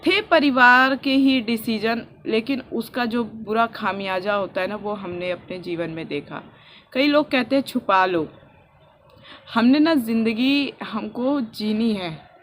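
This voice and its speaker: A young woman from India talking softly and earnestly in a personal vlog, recorded outdoors on a rooftop with a phone on a selfie stick. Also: on the high side, unhurried, a little hiss or hum. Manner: earnest and heartfelt, speaking softly. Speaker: vlogger.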